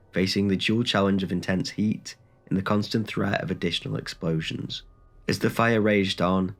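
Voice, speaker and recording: A man with a bad cold, reading a scripted documentary narration in a measured, even way as the channel's host. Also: sits low.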